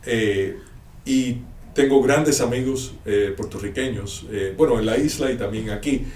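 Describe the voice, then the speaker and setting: A man's voice: medium pitch, unhurried, a little mellow. Cuban-accented man, distant in a roomy space. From Cuba. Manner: anecdotal, hesitant with fillers, joking. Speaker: guest, lawyer. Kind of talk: casual interview chat. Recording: roomy, distant mic, faint noise.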